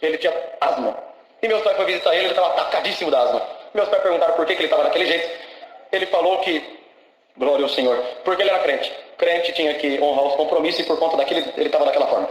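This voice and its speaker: A man's voice: a little high, rapid-fire. A young man in his twenties giving an emotional church testimony, fervently breaking in with praise to God between sentences. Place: church service hall. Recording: echoey church hall recording.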